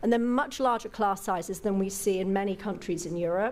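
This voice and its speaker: Medium-pitched female speech with an American accent, moderately paced, with ordinary pitch variation. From Britain. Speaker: parent speaking at public comment. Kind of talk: public comment at school board meeting.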